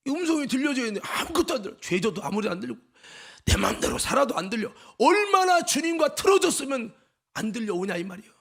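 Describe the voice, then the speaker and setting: Middle-aged man, senior pastor, very high and gravelly, emotional sermon moving between whisper and shout. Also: big pitch swings, fast talker. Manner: emotional preaching, swings from hushed whispers to shouting, sings hymn lines.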